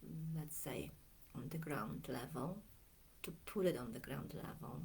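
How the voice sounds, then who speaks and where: A woman with a Polish accent, very deep and low-pitched, with vocal fry, at a fairly slow pace, amid audible room echo. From Poland. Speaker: life coach. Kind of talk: social media talk.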